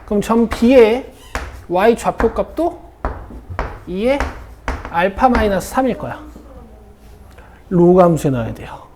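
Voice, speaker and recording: A woman's voice: mid-range voice, expressive, takes it slowly, pauses often, mellow, slight background noise. A woman math teacher leading a classroom lesson, who keeps checking in with her students as she works through a problem. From South Korea. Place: academy classroom.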